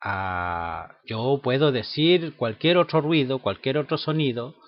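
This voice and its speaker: A man teaching a grammar lesson in a slow, halting way, with many fillers and tag questions. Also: medium pitch, expressive, no room sound. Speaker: language teacher. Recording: dull lo-fi sound.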